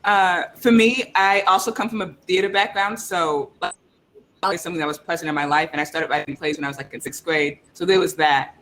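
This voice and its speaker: A man speaking casually as a panelist, halting and searching for his words. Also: on the high side, steady tone, a bit bright, a little hiss or hum. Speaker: panelist, playwright.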